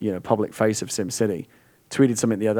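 Captured on a very clean recording with a silent background, a man with an English accent and a medium pitch talks at a very fast pace. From England. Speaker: tech journalist. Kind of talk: casual chat.

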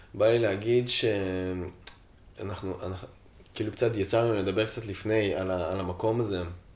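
Audible room echo surrounds a man's fairly low pitch and monotone, flat intonation. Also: fairly slow pace. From Belarus, immigrated to Israel at age 6. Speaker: podcast host. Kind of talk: casual conversation interview.

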